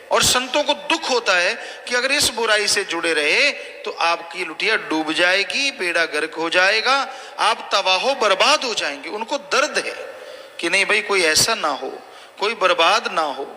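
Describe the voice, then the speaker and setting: A man's voice: high-pitched, pushed and bright. A man preaching a sermon, warning his listeners again and again. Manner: exhorting, repetitive warnings. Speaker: spiritual preacher. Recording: long hall reverb, faint noise.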